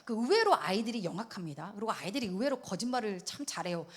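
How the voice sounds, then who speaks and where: A middle-aged woman pastor preaching a sermon in an animated way, acting out quoted voices and laughing often. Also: mid-range voice, fast talker, slightly rough.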